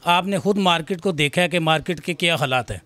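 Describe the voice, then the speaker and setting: Emphatic high-voiced male trader. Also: fast, a bit bright, no echo. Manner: emphatic, critical. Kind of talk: interview answer. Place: crowded indoor office. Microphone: handheld mic.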